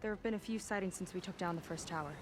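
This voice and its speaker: A woman playing a troubled, candid young tribal warrior in a game cutscene, speaking earnestly and haltingly. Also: on the low side, a little hiss or hum, close to an everyday voice. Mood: practical, resolved. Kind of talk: video game cutscene acting. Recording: clear ambient game sound behind voice.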